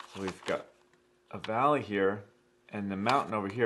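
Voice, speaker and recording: At a moderate pace, a man with a fairly low voice speaks with fairly even intonation over noticeable background noise. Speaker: origami teacher. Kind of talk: tutorial.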